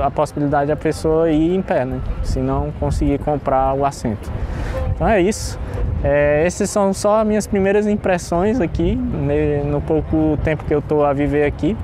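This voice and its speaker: A man with a Cearense Brazilian accent chats casually, stopping and restarting often. His voice sits a bit high for a man. Traffic and street noise run clearly behind him outdoors. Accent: Cearense Brazilian Portuguese. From Ceará, Brazil. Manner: hesitant, many fillers and restarts. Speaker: podcast contributor. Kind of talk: casual spoken monologue.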